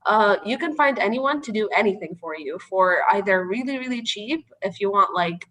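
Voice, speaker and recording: A woman answering a question in an online training session, chatty and earnest, with a dry throat she keeps clearing. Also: mid-range voice, expressive, normal speed, fairly bright tone, low-quality recording. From Palestinian. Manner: chatty and earnest, frequent "you know" and "like". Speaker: media trainer.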